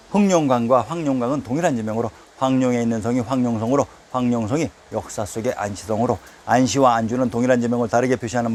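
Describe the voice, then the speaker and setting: A man in steady scripted narration of a history lecture, reading out each place name as a heading before explaining it. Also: mid-range voice.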